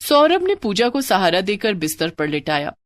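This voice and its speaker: A woman narrating an animated moral story in a scripted storytelling style. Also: mid-range voice, normal speed. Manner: expressive storytelling.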